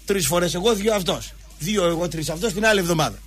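A man's voice: high voice, slightly rough, faint music behind. A man hosting a sports show, telling casual anecdotes and acting out the dialogue. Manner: animated, acts out dialogue in quotes.

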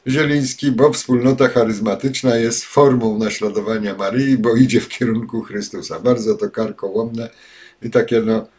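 An older man giving spoken commentary and reading passages aloud, pausing often with filler sounds, recorded at a desk webcam in a home study. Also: mid-range voice, steady tone, darkish tone, breathy edge. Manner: halting, many filler sounds. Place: home study with bookshelves, indoors.

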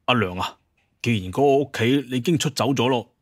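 A man acts out a cheeky young son in an audio drama. He is melodramatic and eager to please, pleading with excitable energy. The sound is close and dry. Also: mid-range voice, brisk, no echo, lightly acted. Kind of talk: Cantonese audio drama acting.

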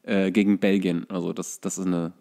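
A man's voice: sits low, level tone, brisk, gravelly, mellow. A man co-hosting a casual football chat, explaining his views and thinking aloud as he goes. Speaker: podcast co-host.

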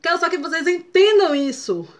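Brazilian woman, young adult, very high voice, tongue-tied delivery that trips on words, playful casual vlog reviewer. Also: lively intonation, moderate pace. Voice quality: tongue-tied speech impediment, stumbles on hard words. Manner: playful, stumbling over words. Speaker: hair product reviewer. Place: small bedroom, indoors.

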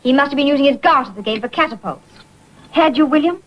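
A prim, disdainful elder sister. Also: female voice, high voice, lively intonation, quick pace, slight background noise. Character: prim, disapproving young adult elder sister. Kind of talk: 1940s British film acting. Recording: muffled 1940s film soundtrack.

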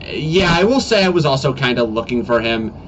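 A man's voice: medium pitch, lively intonation, a little fast, fairly bright tone, lo-fi sound, a little hiss or hum, pitched below the performer's own voice, close to an everyday voice. A man voicing a laid-back, helpful young daughter in an amateur comedy animation, recorded on a cheap webcam mic. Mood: casual.

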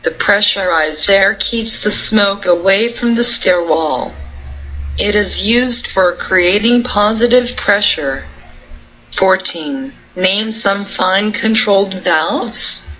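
A woman reading out a numbered list of technical interview questions and answers in a flat, even way. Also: mid-range voice, slow, muffled recording.

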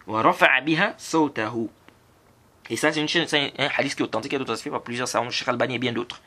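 A man's voice: medium pitch, steady tone, very fast, pushed and bright. A man teaching a religious lesson on prayer, who asks rhetorical questions and answers them himself and recites hadith in Arabic between his French explanations. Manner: interjects approving Arabic words between points. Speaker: Islamic teacher.

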